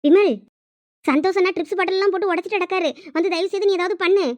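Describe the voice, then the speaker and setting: Very high-pitched woman with a Thoothukudi Tamil accent. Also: steady tone, racing, a little mellow, no room sound. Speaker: voice of all female characters. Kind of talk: cartoon voice acting.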